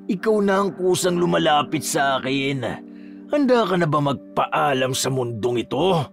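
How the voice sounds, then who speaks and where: Man putting on a cocky monster villain, mocking tone, lively horror-story delivery, soft music under. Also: mid-range voice, moderate pace, creaky. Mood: taunting. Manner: mocking, taunting. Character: smug male aswang villain, taunting.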